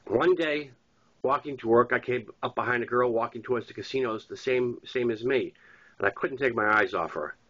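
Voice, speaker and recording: A man's voice: medium pitch, a bit bright. Congested Boston-accented man reading aloud. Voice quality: congested, stuffy nose. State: congested from a head cold. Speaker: author reading his own novel. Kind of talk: narrated memoir-style audiobook reading. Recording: dull lo-fi recording.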